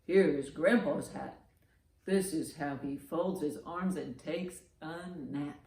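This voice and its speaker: A woman hosting a children's storytime, reading aloud and reciting rhymes with expressive, deliberate emphasis. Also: sits low. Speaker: library storytime host.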